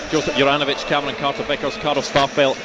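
A man's voice under loud background noise. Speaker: radio sports reporter. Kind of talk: sports radio team news report. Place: stadium.

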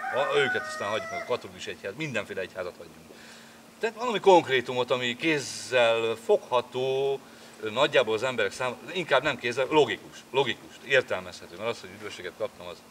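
Over light background noise, a man talks at a very fast pace with big swings in loudness. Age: 40s. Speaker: father talking about faith. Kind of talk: casual family chat about faith. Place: garden.

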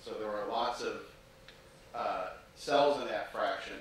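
Strong room echo surrounds a man talking at a moderate pace over light background noise. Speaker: conference speaker. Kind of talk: lecture. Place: hall.

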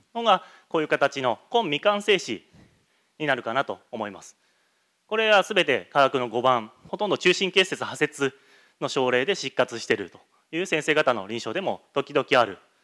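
A man speaks at a moderate pace in a fairly high, bright, sharp voice with very wide pitch swings. His loudness swings a lot over a quiet background. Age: 30s. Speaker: endodontist lecturer. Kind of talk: lecture. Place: hall. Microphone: handheld.

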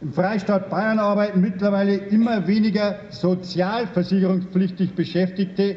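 Delivering a monotone, flat intonation at a very slow pace, a man speaks at a high pitch. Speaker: trade union official. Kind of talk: public speech. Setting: outdoor rally. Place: street.

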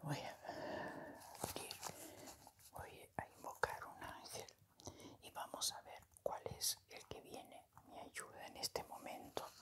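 With long, frequent pauses, the whispering unfolds at a very slow pace. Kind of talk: spoken prayer and invocation. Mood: calm, devout. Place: home room.

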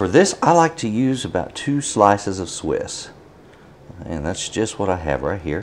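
A man speaks at a fairly slow pace in a fairly low voice. Light background noise can be heard. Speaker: home cook host. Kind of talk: tutorial. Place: kitchen. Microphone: lapel.

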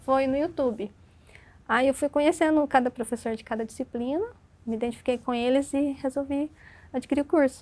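A woman's high-pitched voice at a fairly quick pace, with fairly even intonation and long, frequent pauses. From Brazil, Minas Gerais. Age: 30s. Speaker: newly qualified lawyer. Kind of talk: interview. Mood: warm, cheerful. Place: studio. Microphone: lapel.

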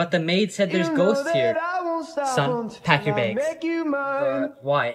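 The speech moves at a very slow pace over loud background noise. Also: man. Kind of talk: acted comedy dialogue.

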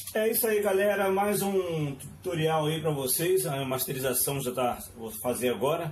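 A man with a fairly high pitch speaks at a fairly slow pace yet with hardly any pauses, his intonation lively. Light background noise and audible room echo are present. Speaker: radio announcer and producer. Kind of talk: casual talk to camera. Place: studio.

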